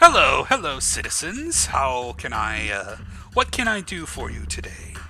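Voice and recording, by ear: In a gruff, put-on character voice, a man speaks at a moderate pace against clear background noise.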